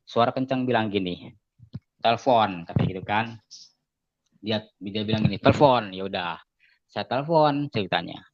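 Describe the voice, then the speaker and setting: A man giving a casual spoken testimony as an interview guest, telling his story in an animated way and acting out the lines of other people. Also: normal speed, long pauses, dry recording. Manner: animated storytelling, acting out quoted dialogue with raised pitch. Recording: dull, slightly lo-fi dry sound.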